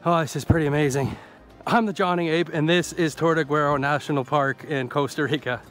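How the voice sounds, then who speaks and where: On a handheld camera, a man hiking in a rainforest keeps up casual solo travel narration, joking to himself along the way. His voice runs on the high side, fairly bright, with a steady tone and a slightly fast delivery.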